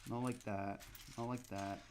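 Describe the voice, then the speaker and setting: A man's voice: a little slow, slight background noise. A man with a Scottish accent chatting casually as a museum livestream host while building a model kit, rambling with many fillers and restarts. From Scotland. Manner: animated, with sudden rises in pitch and loudness when excited.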